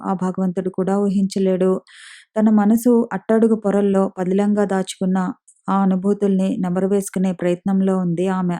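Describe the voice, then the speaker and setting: A woman narrates an audiobook story in a calm, measured way. Her voice is deep, dark and mellow, and her pitch stays flat and steady from line to line.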